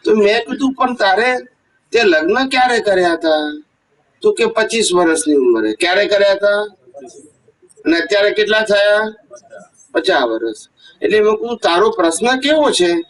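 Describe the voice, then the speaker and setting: A man with a high voice delivers a devotional talk to a gathering. He tells stories and keeps asking his listeners whether they have understood. His voice is picked up from some distance away from the microphone. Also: big pitch swings, moderate pace. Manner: storytelling with rhetorical questions. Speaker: spiritual teacher.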